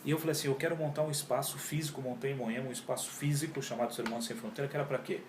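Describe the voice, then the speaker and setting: A man's voice: medium pitch, very fast, noisy background. A man, telling his story as an interview guest, acting out past conversations and using lots of slang. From Brazil. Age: 40s. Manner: animated storytelling, acts out his own past dialogue, heavy slang. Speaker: yoga teacher, interview guest. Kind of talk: casual interview chat. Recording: echoey room with faint ambience.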